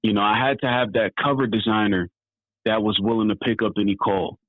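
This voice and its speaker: Speaking fairly quickly with fairly even intonation, this thirty-something author and entrepreneur has a lowish voice. He talks casually as an interview guest over a thin, phone-like line with no echo.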